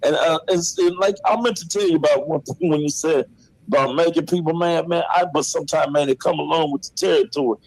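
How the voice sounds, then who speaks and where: A man calling in to a show, telling stories casually in animated, colloquial and boastful slang. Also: on the high side, a little fast, no echo, poor audio. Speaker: caller to the show, a ring announcer. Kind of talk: casual chat and storytelling. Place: on a call to a show.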